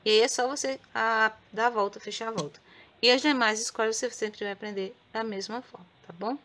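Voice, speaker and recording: A woman with a Brazilian Portuguese accent teaching crochet step by step. She speaks softly with a sore throat and counts stitches aloud. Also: a little high, fairly even intonation, a little fast. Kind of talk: step-by-step craft tutorial.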